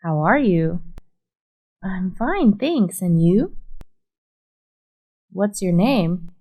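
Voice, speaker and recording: Woman reading slow practice dialogues. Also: fairly low pitch, very animated, warm tone, husky. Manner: reads both questions and answers, deliberate and evenly paced. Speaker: English practice reader.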